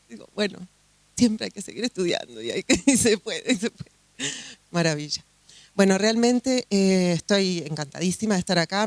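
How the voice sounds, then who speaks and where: A woman's voice: mid-range voice, no echo. Uruguayan woman judge, chatty conference talk. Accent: Uruguayan Spanish. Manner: warm, chatty, many fillers and restarts. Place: conference hall.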